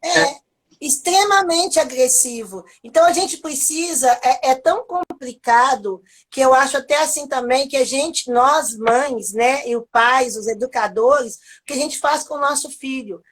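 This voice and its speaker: Animated Brazilian woman telling a story. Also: sits high, unhurried. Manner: animated storytelling, many restarts. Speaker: host. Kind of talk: casual live chat.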